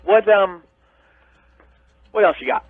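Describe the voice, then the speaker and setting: A man phones in to a radio show, his high voice slow and dryly recorded, coming through a thin phone line on air. He teases the host with needling, mock-bossy banter.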